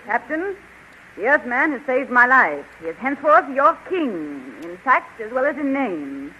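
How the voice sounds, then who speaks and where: A woman's voice: a little high, big pitch swings, unhurried, pushed and bright, highs cut off, a little hiss or hum, full character voice. An actress playing a commanding young queen who gives orders to her soldiers, in a 1930s radio drama. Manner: commanding, regal. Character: regal young queen of a cave kingdom.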